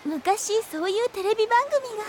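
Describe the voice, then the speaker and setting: A young maid in an anime audio drama, formally polite yet playful. Her voice is extremely high, with clear noise in the background. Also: moderate pace. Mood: politely teasing. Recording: noisy background.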